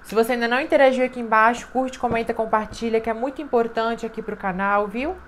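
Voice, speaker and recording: Lady doing a tarot reading, kinda high voice, emphatic, keeps saying né and sabe, a bit of background hiss. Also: fairly even intonation, quick pace. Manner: emphatic, repetitive, with frequent "né?" and "sabe?". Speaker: tarot reader. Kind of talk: intuitive tarot card reading.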